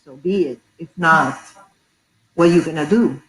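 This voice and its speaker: A woman's voice: deep voice, normal speed, roomy sound, poor audio. A woman from Venezuela who grew up speaking Spanish, talking earnestly in a Spanish accent as a guest in a reflective conversation. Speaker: panel guest.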